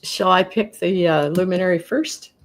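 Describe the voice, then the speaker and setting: A woman hosting a spiritual live stream and giving card readings, talking in a gentle, earnest way with soft laughs, her voice a little worn. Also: on the low side, normal speed, a little hiss or hum. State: losing her voice. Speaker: host and card reader.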